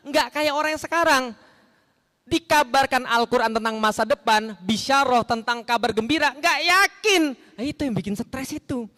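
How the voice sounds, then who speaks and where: A man preaching an Islamic sermon in a conversational way, asking the audience rhetorical questions and acting out the lines he quotes. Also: normal speed. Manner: acts out quoted lines with sharp rises in pitch and volume. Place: large hall. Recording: long hall reverb.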